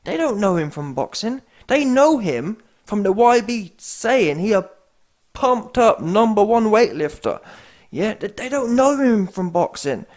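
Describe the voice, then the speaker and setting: A man hosting a comedic reaction video, with animated, mocking and slangy commentary. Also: high voice, a little slow. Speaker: YouTube host.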